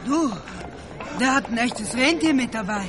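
A very high-voiced fake-Santa henchman. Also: unhurried, over music, crowd noise. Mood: grumbling.

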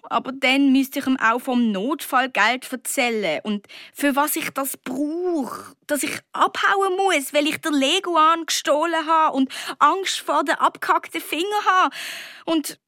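A woman's voice: sits high, measured pace, pushed and bright, no room sound, clean studio sound. A woman with a Swiss German accent narrating a children's story in the first person as a young girl, earnest and childlike. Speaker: audiobook narrator.

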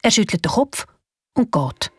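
Swiss German woman narrating with breathy voice. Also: on the high side, a little slow, dry recording. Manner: lively, expressive storytelling. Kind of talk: storytelling narration.

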